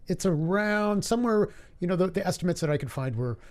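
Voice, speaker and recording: Guy with a slightly high voice chatting on a podcast, kinda halting as he explains stuff. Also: expressive, a little mellow. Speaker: podcast co-host. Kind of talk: casual podcast chat.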